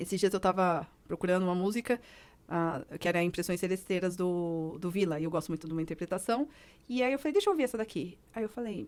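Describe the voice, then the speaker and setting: A woman with an interior São Paulo accent talks at a very fast pace with lively intonation and a medium pitch. The recording is very clean, with a silent background. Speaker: cellist and music teacher. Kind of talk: podcast interview.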